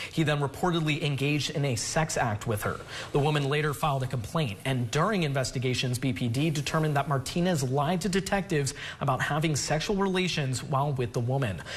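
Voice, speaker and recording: Very fast speech from a man, fairly high in pitch, ordinary pitch variation, noticeable background noise behind it. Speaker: local TV news anchor. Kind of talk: TV news anchor delivery.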